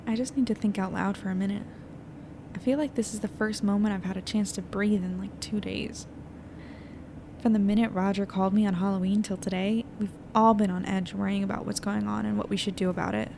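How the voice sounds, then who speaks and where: A woman playing an anxious, weary young newspaper editor in an audio drama, confiding and hesitant as she thinks out loud. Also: mid-range voice, gravelly, close to an everyday voice. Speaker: lead narrator of an audio fiction podcast. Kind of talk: intimate naturalistic audio drama monologue. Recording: noisy airplane cabin ambience.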